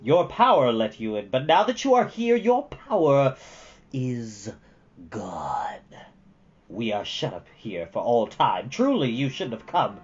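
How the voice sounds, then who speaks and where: A man voicing a solemn, fatalistic old male keeper of a magical chronicle in a storybook reading, with a deep, dark voice and portentous delivery. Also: sing-song, unhurried, highs cut off. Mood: grim, final.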